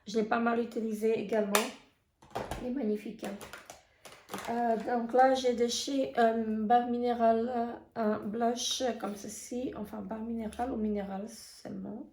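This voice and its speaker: A woman with a hoarse voice giving a casual beauty product review, talking in a halting way full of hesitations. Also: a little high, level tone, mellow, slight background noise. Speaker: beauty vlogger. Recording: echoey room.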